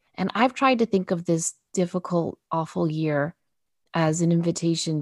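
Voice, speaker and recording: A normal speaking voice at a moderate pace with ordinary pitch variation, in a dry, close sound with no echo. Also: woman. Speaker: podcast host. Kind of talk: interview.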